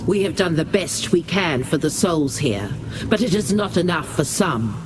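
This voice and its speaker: An actor playing a solemn, reverent tribal herald, formal and ceremonial, in a fantasy video game. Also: male voice, on the high side, expressive, normal speed, music in the background, lightly acted. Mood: grave.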